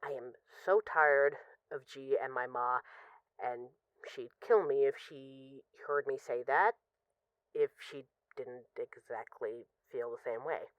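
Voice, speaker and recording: A woman playing an apologetic, lovesick mafia boss who is guarded but vulnerable, speaking haltingly and confessionally in an intimate audio roleplay phone call. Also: a bass voice, no echo. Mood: weary, wry. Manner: halting, confessional, with pauses and sighs.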